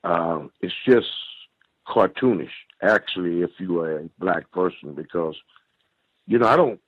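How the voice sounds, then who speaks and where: A man in his sixties calling in to a book discussion, speaking in a halting, thoughtful and critical way. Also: low-pitched, no echo. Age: 60s. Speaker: caller on a study-group call. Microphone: phone. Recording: tinny dry phone line.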